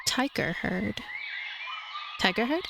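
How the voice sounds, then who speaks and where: A woman's voice: mid-range voice, expressive, takes it slowly, gravelly, noisy background. A woman streaming a game, reading its narration aloud with informal, conversational commentary. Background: game music.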